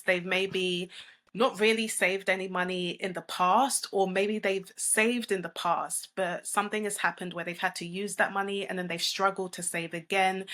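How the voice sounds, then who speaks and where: A woman from London with a London accent, a money coach answering interview questions in a measured, explanatory way. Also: medium pitch, fairly bright tone. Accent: London English. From England.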